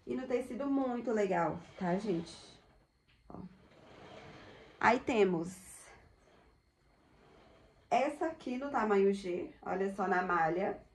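Woman in her thirties, upbeat thrift seller, unhurried talk, roomy home recording. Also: medium pitch, animated. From Brazil. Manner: chatty, upbeat, many diminutives and "olha só" asides. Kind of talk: casual product showcase. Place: small home room indoors. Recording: echoey room.

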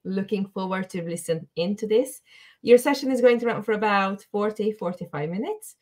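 A woman's voice: mid-range voice, normal speed, a little mellow. A woman hosting an online webinar, courteous and a little hesitant, repeating words as she introduces things. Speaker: host. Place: indoor room, video call.

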